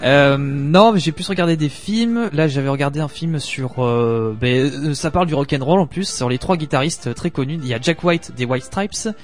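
A man's voice: a little high, moderate pace, few pauses, faint music behind. A man co-hosting a gaming podcast, talking in a rambling way with lots of hesitation. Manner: rambling, hesitant with many fillers. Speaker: podcast co-host. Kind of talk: casual gaming podcast chat.

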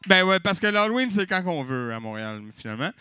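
Rowdy high-voiced Québécois man. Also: big pitch swings, quick pace, bright, forceful tone, a little hiss or hum. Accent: Québécois French. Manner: rowdy, swearing, joking with the crowd. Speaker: host of a live comedy night. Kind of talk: improvised stand-up hosting with mock auction. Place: live venue with audience.

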